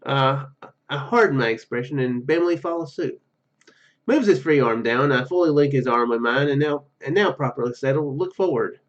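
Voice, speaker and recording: A man's voice: medium pitch, moderate pace, lo-fi sound. A man hosting a let's play, reading story narration aloud with stumbles and casual asides. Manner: stumbles over words while reading. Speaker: gaming video host.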